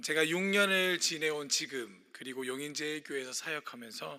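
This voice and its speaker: The speaker is a man. He talks at a moderate pace with lively intonation. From Daegu, South Korea. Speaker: pastor. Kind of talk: sermon. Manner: animated.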